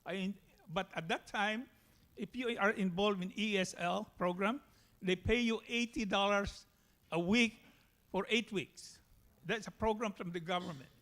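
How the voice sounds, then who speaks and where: With a high, slightly bright voice, a Filipino-accented man from the Philippines shares a personal testimony at church in a halting manner.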